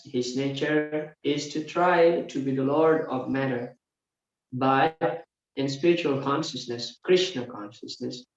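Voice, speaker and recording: A man teaching a scripture class, explaining verse by verse and often filling pauses with "yeah" and "uh". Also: mid-range voice. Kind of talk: scripture lecture. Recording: very echoey room, dull lo-fi sound.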